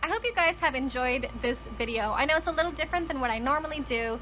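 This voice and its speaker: A woman's voice: high voice, fast, bright, forceful tone, soft background music, low-quality recording. A woman talking casually and enthusiastically to viewers as a book vlogger, conversational and leaning on words for emphasis. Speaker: book vlogger and storytelling channel host.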